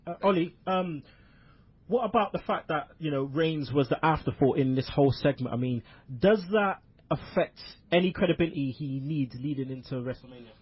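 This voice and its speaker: A man with a raspy voice hosting a casual wrestling podcast, loose and swearing, repeating his punchlines. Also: a little high, moderate pace, muffled recording. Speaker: podcast host.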